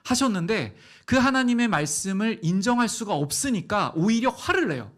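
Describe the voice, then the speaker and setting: Middle-aged male pastor preaching, bit higher voice, super lively ups and downs, lots of rhetorical questions. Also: normal speed. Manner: animated preaching with rhetorical questions, swings between soft and emphatic. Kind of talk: sermon.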